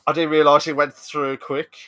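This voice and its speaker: A man's voice: a little high, level tone, normal speed, a bit bright, no room sound, clean studio sound. A man with a Black Country accent from the English West Midlands, chatting casually as a guest with lots of fillers and restarts. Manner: rambling, hesitant, many fillers. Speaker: podcast guest. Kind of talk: casual video-call chat.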